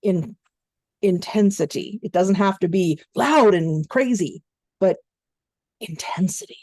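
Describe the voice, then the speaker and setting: A woman coaching voice-over students in an online training session, explaining in a steady conversational way. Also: mid-range voice, slow pace, no room sound.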